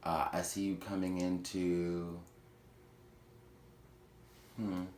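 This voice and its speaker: A man giving a chatty tarot reading, with playful asides and quick self-corrections. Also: low voice, level tone, darkish tone. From Houston, Texas. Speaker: tarot reader. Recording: echoey room with faint noise.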